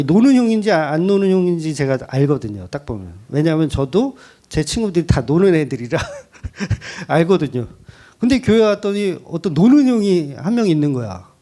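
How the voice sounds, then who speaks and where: A man's voice: fairly high pitch, dark tone. A middle-aged man preaching a sermon as pastor, candid and joking, often laughing at himself.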